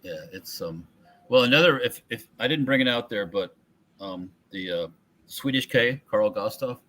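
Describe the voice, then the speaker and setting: A man's voice: medium pitch, animated, normal speed, pushed and bright. A man chatting casually about guns, rambling and trailing off, often chuckling. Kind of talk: casual firearms chat.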